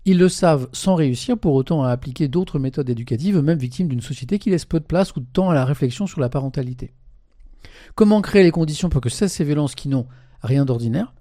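Mellow-voiced man commenting on a stream. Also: fairly high pitch, lively intonation, fast talker, no room sound, clean studio sound. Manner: conversational, tags sentences with "hein"; reads article passages aloud, then comments. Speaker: live streamer. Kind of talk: casual live-stream commentary reading press and chat.

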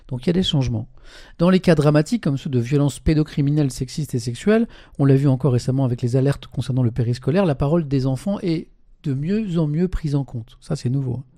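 A man live-streaming in a relaxed, chatty way, reading press passages aloud and then adding his own remarks. His voice is dark and mellow. The sound is dry and close, with no room echo. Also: a little high, fast. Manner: conversational, tags sentences with "hein"; reads article passages aloud, then comments.

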